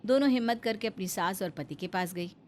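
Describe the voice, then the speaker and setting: A woman narrating a cartoon story in a calm, scripted storytelling manner. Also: mid-range voice, a little fast.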